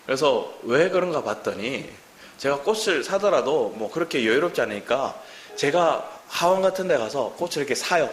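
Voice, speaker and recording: Animated and moderately paced, a mid-range male voice delivers a sermon in a church sanctuary, with the roomy hall and faint hiss audible. The pastor, in his thirties with a Gyeongsang Korean accent, keeps putting questions to his congregation.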